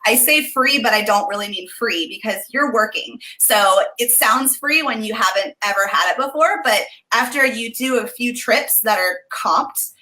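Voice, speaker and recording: Bright, chatty young woman on a call. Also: on the high side, normal speed, hardly any pauses, low-quality recording. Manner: chatty, upbeat, frequent ums. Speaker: travel blogger guest. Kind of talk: casual panel advice. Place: home room indoors. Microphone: video call webcam.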